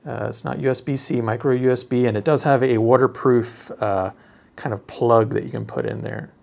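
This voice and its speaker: A man giving a casual, unscripted product demonstration, speaking haltingly as he thinks aloud. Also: mid-range voice, fairly even intonation, gravelly, darkish tone.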